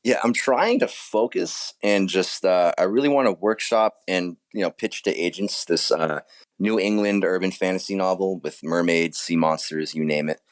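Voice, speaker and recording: A man's voice: deep voice, moderate pace, no echo. A man speaking informally and modestly as an author being interviewed in a casual chat.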